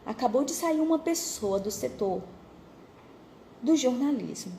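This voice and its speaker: A cautious, chatty Brazilian friend, as a woman puts her on in a spoken story. The voice is a little high and stays mellow and warm. The talk is casual and a bit doubtful. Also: expressive, unhurried, reverberant, slight background noise. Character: friendly female friend giving job advice.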